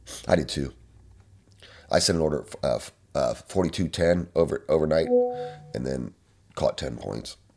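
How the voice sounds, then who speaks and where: Music plays in the background behind a man speaking. His pace is moderate, broken by long, frequent pauses. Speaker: trading livestream host. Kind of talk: live market analysis stream. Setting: live stream reading viewer comments. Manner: casual, halting with fillers.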